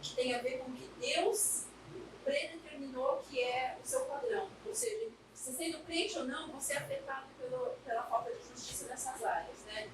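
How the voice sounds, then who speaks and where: A woman's voice: sits high, expressive, moderate pace. A Brazilian woman giving a spontaneous answer as a participant in a class, recorded from far off in an echoey, noisy room.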